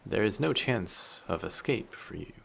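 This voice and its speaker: Brief: male actor as possessive male sea monster for audio roleplay, very low and gravelly, quietly menacing yet flirtatious. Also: lively intonation, a little hiss or hum, full character voice. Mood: hesitant, considering. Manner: measured, quietly menacing, formal wording. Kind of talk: intimate scripted audio roleplay drama.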